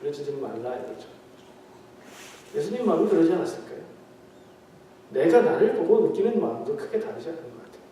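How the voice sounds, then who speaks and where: A pastor with a slightly high, very animated and warm voice preaches briskly at a midweek prayer meeting, with long pauses, chatting with the congregation through questions and jokes. The recording, made in a church sanctuary, is very echoey with a distant mic and carries a little hiss or hum.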